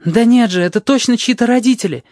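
A raised, lively voice of an anxious teenage girl, as a man reading an audiobook puts her on. She speaks eagerly and insistently. The recording is close and dry. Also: high-pitched, fairly quick, no echo, voice pushed up. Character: anxious, earnest teenage girl with red hair.

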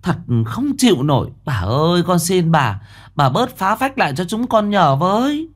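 A man's voice: sing-song, normal speed. A man voicing an exasperated female house servant scolding a madwoman. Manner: shrill, complaining.

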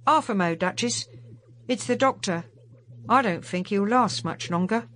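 A woman voicing a blunt, protective young sailor man, in brisk, slangy speech. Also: mid-range voice, fairly bright tone, slight background noise, lightly acted. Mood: concerned.

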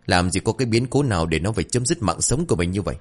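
A man playing a gossiping village militiaman in a spoken horror story. His low, dismissive muttering carries over faint music. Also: lively intonation, racing, slightly rough. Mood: scornful.

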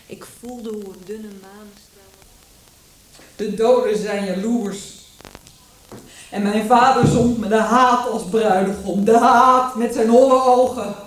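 A woman's voice: on the high side, fairly even intonation, slow. An actress playing a grief-stricken king's daughter consumed by hatred, declaiming solemnly in a classical tragedy for radio. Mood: bitter, haunted. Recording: echoey hall, distant microphone.

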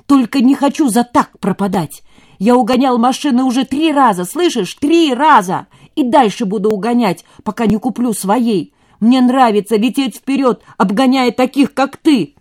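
A woman reading an audiobook, voicing a defiant teenage boy who shouts in a thin, breaking voice. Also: high voice, big pitch swings, normal speed, voice pushed up. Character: hysterical defiant teenage boy, car thief.

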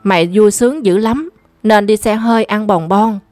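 A woman's voice: medium pitch, normal speed, a little mellow, faint music behind, lightly acted. A woman voicing an angry, stubborn young boy who answers back defiantly. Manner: defiant, reproachful retorts.

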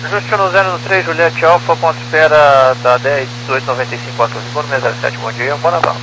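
Brazilian pilot guy rattling off clipped readbacks, super quick, noisy crackly radio. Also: on the high side, fairly even intonation. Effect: crackly aviation radio. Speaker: airline pilot.

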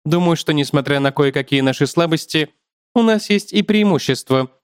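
Man voicing a black widow spider, thin ringing voice, high, grave, dry sound. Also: animated, normal speed, clear, resonant tone, dry recording, close to an everyday voice.

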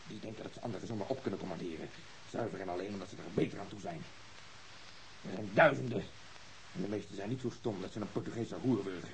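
Man playing a gruff, low-voiced police detective. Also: quick pace, long pauses, slight background noise, natural voice, poor audio. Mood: bitter, contemptuous. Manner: stern, sardonic, cutting. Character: gruff, bitter, bossy male police detective. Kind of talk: radio drama acting.

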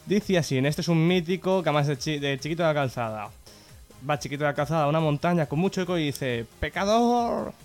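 Man, radio comedy co-host, deadpan joke delivery, slightly high voice, faint background music. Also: fast. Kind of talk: telling jokes on local radio.

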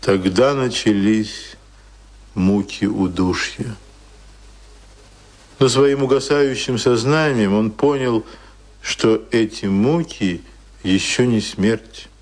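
A man narrating a radio play in a grave, measured, suspenseful literary style. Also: fairly low pitch. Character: grave male narrator of a drowning man's end.

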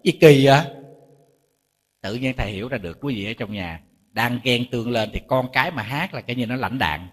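Southern Vietnamese monk preaching in a hall. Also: male voice, medium pitch, fast. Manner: lively, rhetorical questions to the audience. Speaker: Buddhist monk. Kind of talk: dharma talk sermon. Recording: long reverb hall.

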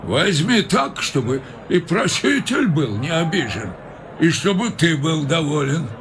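An actor playing a smug, moralizing older male official in a radio play, with a slow, drawling, sententious manner. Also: on the high side, very animated, fairly bright tone, a little hiss or hum. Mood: lecturing. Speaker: senior official.

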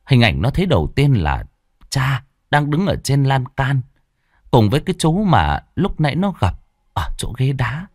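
A man narrating a story in a steady, expressive way. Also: medium pitch, moderate pace, no room sound, studio quality.

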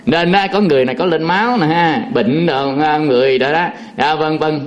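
A man's voice: on the high side, fairly quick, dull audio. A man, a Buddhist monk telling a folksy, chuckling story in a sermon, full of fillers.

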